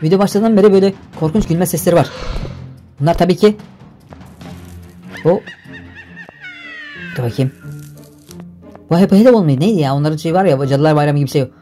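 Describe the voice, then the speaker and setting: A young man giving energetic, exclamatory gameplay commentary for a video. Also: fairly high pitch, fairly quick, long pauses, soft background music. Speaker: gaming YouTuber. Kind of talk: excited game commentary.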